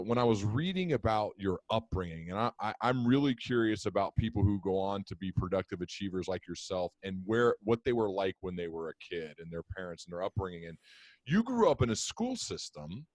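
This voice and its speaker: A man's voice: on the low side, dry recording, poor audio. A man in his thirties hosting a podcast, asking long, curious questions with many restarts over a video call. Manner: rambling, curious, frequent restarts. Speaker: podcast host. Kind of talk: interview questions. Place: home office, indoors. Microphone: studio mic, video call.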